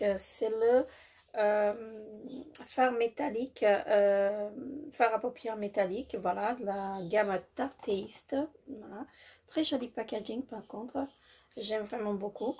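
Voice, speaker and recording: Woman beauty vlogger, unhurried delivery, slightly husky tone, halting casual haul talk. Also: fairly high pitch, steady tone, a little mellow. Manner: hesitant, many fillers, repeats "très joli"; apologizes for her English.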